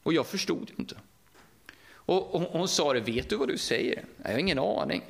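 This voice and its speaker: A middle-aged Swedish man with a Västergötland accent, preaching a lively, conversational sermon and often asking the audience questions. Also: fairly high pitch, vocal fry. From Sweden, Västergötland.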